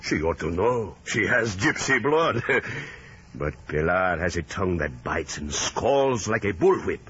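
Jolly gypsy guy, low slow drawn-out talk, very animated, muffled old radio recording. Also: husky, full character voice. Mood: sly, wry. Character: jovial, teasing, lazy wine-loving gypsy man. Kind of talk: vintage radio drama acting.

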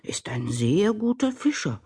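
An actress playing a kind-hearted, homely nursemaid in a radio drama, folksy and fussing. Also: female voice, lowish voice, very animated, unhurried, warm tone, husky, full character voice.

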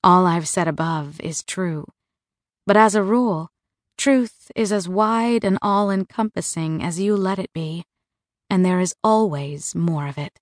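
A woman narrates a first-person novel in a measured, even way, her voice sitting a little low. She is recorded close on the mic in a dead, dry booth with no room sound at all. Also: no echo. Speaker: audiobook narrator. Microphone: close studio mic.

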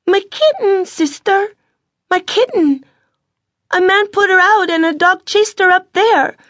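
A woman voicing a small, frightened little boy who pleads in a high, tearful voice. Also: animated, a little slow, a bit bright, no echo, clean studio sound, heavily acted.

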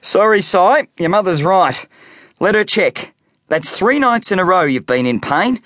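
A storyteller voicing a sleepy, patient father gently backing up the mother in a storybook reading. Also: sits high, lively intonation, a little slow, no echo, studio quality, voice pushed up. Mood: sleepy concerned.

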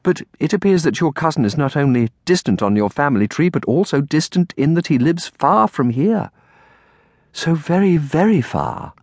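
Man voicing a tender, high-pitched storybook aunt. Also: animated, moderate pace, dry recording. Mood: regretful. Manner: gentle, fervent, hesitant. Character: tender, sorrowful, reassuring grown woman, a devoted aunt.

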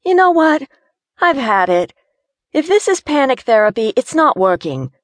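Lady narrator doing a mouthy city gal, nervy, voice jumping up high. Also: sing-song, dry recording, close to an everyday voice. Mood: nervous, sassy. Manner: jumpy, sassy, quick to panic. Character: feisty claustrophobic city girl, young woman.

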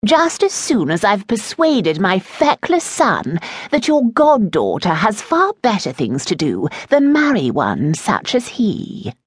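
A woman voicing a haughty aristocratic older mother with an arch, sarcastic, measured delivery. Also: mid-range voice, huge pitch swings, breathy edge, dry recording, studio quality, voice pushed up, full character voice. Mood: cutting.

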